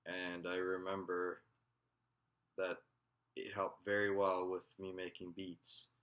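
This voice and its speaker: Man, slow halting storytelling, deep, bright tone. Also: monotone. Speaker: vlogger. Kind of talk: casual storytelling.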